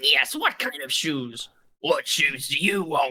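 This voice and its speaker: A man puts on a raspy character voice, pitched fairly high. He talks at a fairly slow pace. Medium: actual play. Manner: broken speech, bickering, greedy haggling.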